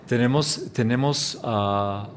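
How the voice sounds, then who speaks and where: Slow, hesitant American man speaking Spanish. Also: medium pitch, a little hiss or hum. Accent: American English. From Chicago, USA. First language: English. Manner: hesitant Spanish full of fillers, switches to English words. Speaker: watch company founder, guest. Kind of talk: interview answers.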